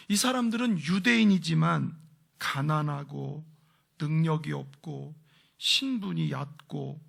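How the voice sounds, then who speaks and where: A male pastor delivers a sermon in a church sanctuary, his voice a touch higher than most men's and roughened with gravel. He preaches emphatically and drops into a near whisper to drive points home. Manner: leads the congregation in responsive reading.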